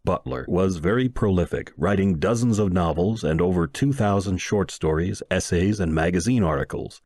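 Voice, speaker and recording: A man narrating a humorous short story from a script in an expressive storytelling manner. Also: low voice, moderate pace, dry recording, clean studio sound. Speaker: audiobook narrator and reader.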